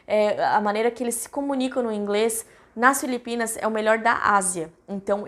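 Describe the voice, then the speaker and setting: A woman's voice: mid-range voice, fairly bright tone. Brazilian woman chatting to her viewers, casual and rambly, lots of fillers. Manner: chatty, addresses viewers directly, many fillers. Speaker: cruise ship crew vlogger.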